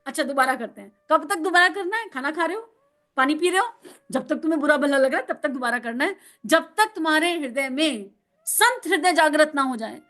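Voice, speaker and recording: A woman spiritual counsellor giving a devotional talk, animated, acting out little dialogues and laughing often. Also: sits high.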